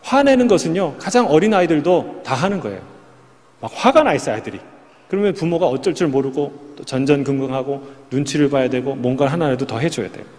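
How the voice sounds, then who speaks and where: A male pastor preaches a Sunday sermon in a church sanctuary, speaking conversationally and directing rhetorical questions at his congregation. His voice is fairly high, animated, fairly quick and darkish in tone. The recording carries the reverb of a church hall.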